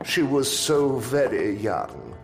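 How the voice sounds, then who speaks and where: An actor playing an elegant, sinister funeral director in an audio drama, with formal, unctuous manners and false sympathy. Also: male voice, mid-range voice, sing-song, slow, faint music behind. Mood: falsely sympathetic. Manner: unctuous, formal, ornate phrasing.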